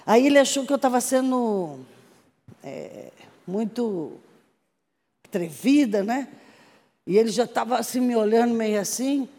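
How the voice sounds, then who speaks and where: A Brazilian woman missionary telling her testimony to a congregation in a lively storytelling manner, acting out the voices of the people in her story. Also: a little high, a little slow, long pauses. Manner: animated storytelling with acted quotes. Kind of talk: testimony sermon. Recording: reverberant hall.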